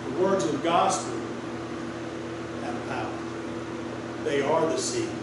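High-voiced preacher in an echoey church. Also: male voice, slow pace. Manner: conversational storytelling preaching, asks the congregation for responses. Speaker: pastor. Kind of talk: sermon. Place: small wood-paneled church sanctuary. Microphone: room mic from a distant camera. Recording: echoey room, distant mic, clear air-conditioner hum.

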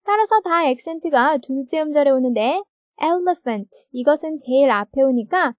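In a clean studio recording with no room sound, a Korean-accented woman lectures on English grammar on video. Her voice sits high and sounds animated at a moderate pace, and she reads example sentences with care, closing explanations on soft rising questions.

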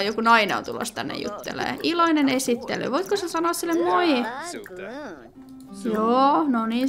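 A woman's voice: a little high, fairly bright tone. A woman giving casual gameplay commentary, chatty and thinking aloud with lots of fillers and sudden exclamations. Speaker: gaming video creator.

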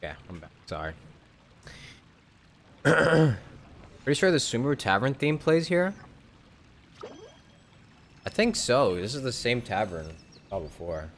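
Animated casual male game streamer. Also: medium pitch, measured pace, pauses often, a little hiss or hum. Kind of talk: casual live game commentary.

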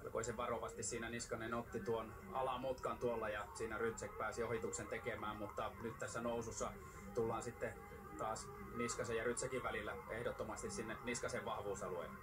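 A man giving measured expert analysis as co-commentator on a ski race. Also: fairly low pitch, flat delivery. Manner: measured, explanatory. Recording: distant, noisy TV broadcast capture.

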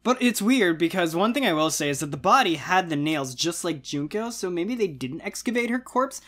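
A man's voice: high-pitched, expressive, moderate pace, fairly bright tone. A young man hosting a reaction video in casual commentary, with incredulous exclamatory asides. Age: young adult. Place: small lamp-lit home room, indoors.

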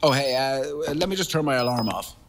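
A male actor as a smug, callous money man in the back of a rideshare. His mid-pitched voice is casual and self-satisfied, with clear vehicle noise around it, as in an audio drama. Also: expressive, a little fast, close to an everyday voice. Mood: friendly, casual.

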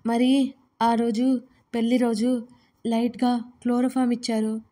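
A frightened young woman speaks in a hushed, broken voice, close to tears, as a female storyteller puts her on. Her voice sits fairly high and dark, with very little rise and fall. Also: level tone, lightly acted. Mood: tearful. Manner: soft, halting, tearful. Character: young woman, distressed and fragile.

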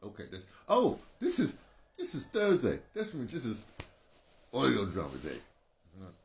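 An American man in his sixties rambling casually to his phone camera, halting and digressive, repeating phrases as he goes. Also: mid-range voice, huge pitch swings. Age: 60s. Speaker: video blogger, radio veteran. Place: small painted room indoors. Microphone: phone at arm's length. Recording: clear ambient background noise.

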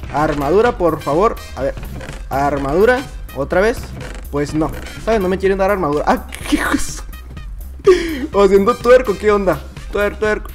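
A man with a Mexican accent voicing a naive, boastful little boy, chattering excitedly through comedic gameplay commentary. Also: sits high. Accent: Mexican Spanish. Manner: childish, excitable, chattering to himself. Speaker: gamer.

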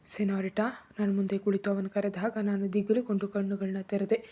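A woman narrating a first-person dramatic story in a soft, often whispery voice, voicing the characters' lines herself. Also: medium pitch, completely flat delivery, fairly quick.

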